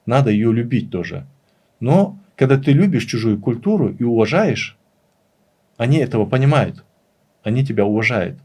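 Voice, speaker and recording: Earnest man with a mid-pitched voice, explaining. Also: expressive, normal speed, warm tone, husky. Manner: earnest, emphatic repetition of phrases. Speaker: interview guest, language teacher and author. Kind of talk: conversational interview, explaining and reminiscing.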